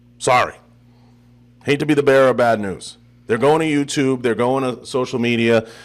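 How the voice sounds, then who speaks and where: With a Boston accent and medium pitch, a man comes through in a very clean recording over a silent background. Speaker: podcast host. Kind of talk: casual interview. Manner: animated.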